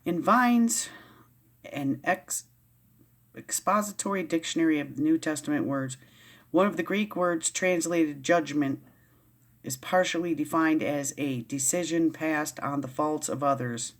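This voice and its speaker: A woman's voice: sits low, measured pace. Woman vlogger, casual read-aloud with riled, rambling asides. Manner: rambling, easily riled, many restarts. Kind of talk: casual reading and commentary.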